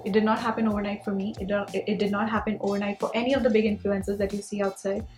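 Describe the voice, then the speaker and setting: A woman's voice: mid-range voice, little pitch movement, racing, darkish tone. A young woman with an Indian Punjabi accent chatting casually and candidly as a beauty vlogger answering questions. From Mumbai, India. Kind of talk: casual chatty Q&A while doing makeup. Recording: roomy echo, music behind.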